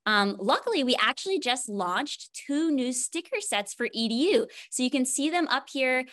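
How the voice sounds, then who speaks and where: A woman's voice: sits high, expressive, moderate pace, fairly bright tone. A woman giving a cheerful, chatty live demo of a whiteboard tool over a video call. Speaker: education team presenter.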